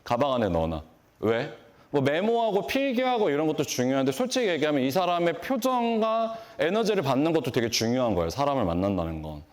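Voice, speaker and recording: Brief: man, 40s, conference speaker, lively pitch, questions the crowd, acts out little scenes. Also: quick pace. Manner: animated, asks the audience questions and acts out greetings. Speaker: beauty industry lecturer. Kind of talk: conference keynote talk. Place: large conference hall.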